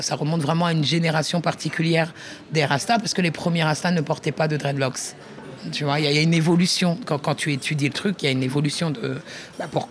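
A woman researcher giving a reflective talk at a workshop, thinking aloud with many restarts and speaking to the listener informally. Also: sits low.

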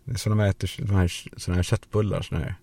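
A man's voice: low voice, level tone, creaky, dark tone, breathy edge, dry recording. A man hosting a podcast, telling a rambling, crude comic story as a monologue and acting out the voices of the people in it. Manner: rambling, crude anecdotal humor; acts out quoted voices. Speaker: podcast host.

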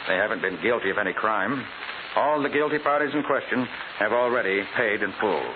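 An actor playing a confident private detective in 1940s radio style, explaining things precisely with an American accent. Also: male voice, fairly low pitch, a little fast, narrow, tinny audio, lightly acted. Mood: assured, explanatory. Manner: precise, expository, authoritative. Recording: hissy, band-limited 1940s radio recording.

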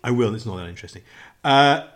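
A man's voice: medium pitch, animated, fast talker. A man in his fifties who writes columns, chatting casually on a podcast in a rambling, sardonic and self-deprecating way. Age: 50s. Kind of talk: casual chat.

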